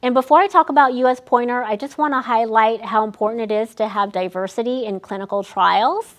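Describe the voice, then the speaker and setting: A woman's voice: fairly high pitch, fairly quick. A young adult woman, a research staff member, gives an educational talk to older adults, explaining with frequent ums and restarts. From United States. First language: Vietnamese.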